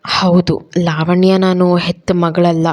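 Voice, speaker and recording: Woman as a tender middle-aged aunt, soft, low, sorrowful. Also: level tone, slow pace.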